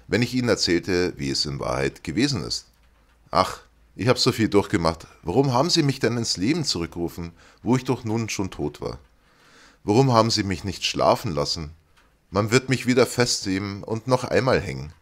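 A man's voice: sits low, fairly bright tone, heavily acted. Man reading as a tormented hanged ghost. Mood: pleading. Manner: pleading, fearful, self-pitying. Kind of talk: audiobook reading.

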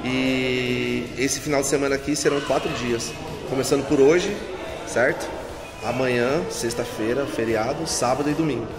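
A man's voice: mid-range voice, normal speed. A man in his forties with a Brazilian Portuguese accent, an event organizer chatting casually about his exhibition, recorded on a phone at arm's length in an indoor pavilion. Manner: relaxed, chatty, with frequent filler tags. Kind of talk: casual promotional interview. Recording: reverberant hall with music behind.

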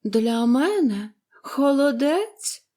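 A sullen, fretful bedridden woman of forty, speaking dryly and dragging her words out slowly, as a woman reads her part. She is from a storybook. Her complaints come out peevish and tired. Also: on the high side, animated, darkish tone, pitched above the performer's own voice. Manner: fretful, sullen, slow and dry.

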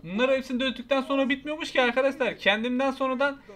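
A young man giving excitable, frustrated gameplay commentary, shouting at the characters on screen. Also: very high-pitched, fast talker. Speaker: gaming YouTuber.

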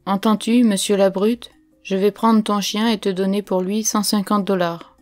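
A woman's voice: mid-range voice, steady tone, normal speed, a little mellow, faint music behind, close to an everyday voice. A woman reading the part of a stern, commanding mining engineer who gives curt orders.

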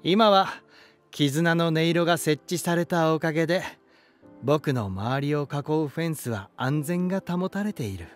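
An actor playing an elegant, romantic lighthouse spirit in a voice drama, gentle and warm, with poetic, softly teasing delivery. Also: male voice, on the high side, animated, measured pace. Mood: wistful, fond. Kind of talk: Japanese voice drama monologue and dialogue. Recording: music behind. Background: music.

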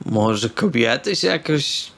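A man's voice: medium pitch, lively intonation, takes it slowly, creaky, fairly bright tone, exaggerated voice. A man playing a sarcastic, crude, casual male vampire in an improvised tabletop roleplay. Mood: joking.

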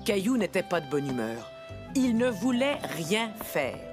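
Female narrator, children's tale, mid-pitched, lively intonation, background music. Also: unhurried. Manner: expressive, clearly phrased. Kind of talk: scripted children's storytelling.

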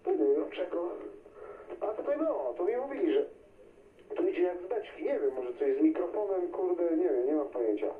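A man's voice: a little high, lively intonation, normal speed. Tinny CB radio man, echoey and distant. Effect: CB radio transmission. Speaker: CB radio operator. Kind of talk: casual radio chat. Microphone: radio microphone heard through a receiver speaker. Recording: tinny band-limited radio signal, echoey, distant, noisy.

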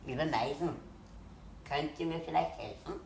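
Give me a woman playing an eager little fox cub from a storybook, slow and pleading. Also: low-pitched, vocal fry, a little mellow, slight background noise, pitched above the performer's own voice. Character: excited little male fox cub, hopeful. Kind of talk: storybook reading. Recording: roomy echo.

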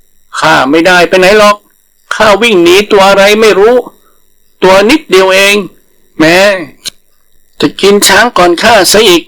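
Man voicing a panicky, high-pitched cowardly tiger. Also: fairly even intonation, unhurried, long pauses, a bit bright, low-quality recording. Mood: frightened, breathless. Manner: frightened, protesting, exclamatory.

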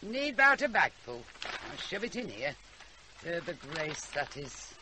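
An older actress playing an earthy, scolding country grandmother with a Northern English accent, brisk and dry-witted, in a radio drama. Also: fairly low pitch, very animated, noisy background. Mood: brisk, instructive. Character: sharp-tongued, earthy old country grandmother. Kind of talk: naturalistic radio drama acting.

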